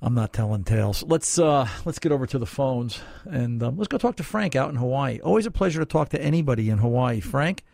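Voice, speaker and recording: A man's voice: mid-range voice, lively intonation, fairly quick, creaky, hardly any pauses, a little mellow, no room sound. A man hosting a call-in car radio show, chatting in a folksy, opinionated way with callers. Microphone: studio mic.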